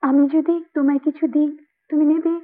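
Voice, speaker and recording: An actress as a soft-spoken young heroine. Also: female voice, sits high, level tone, fairly quick, noisy background, lightly acted. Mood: tender. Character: young village girl and a princess. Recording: tinny film soundtrack with music.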